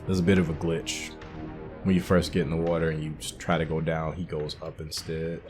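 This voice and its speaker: A man's voice: extremely low pitch, level tone, a little fast, darkish tone, faint music behind. A man hosting a gaming video, giving casual playthrough commentary in a musing, conversational way.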